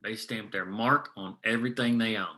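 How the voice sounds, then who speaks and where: A man playing a gruff, world-weary, foul-mouthed veteran coal miner in a screenplay table read, with a sardonic, folksy delivery. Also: lowish voice, steady tone, normal speed, pushed and bright. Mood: bitter.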